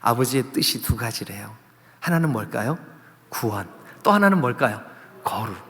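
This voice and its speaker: Animated preaching man in a reverberant church. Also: mid-range voice, moderate pace. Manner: lively preaching, quizzing the congregation and acting out quoted voices. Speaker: pastor. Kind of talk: sermon. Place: church sanctuary. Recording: church hall with long reverb.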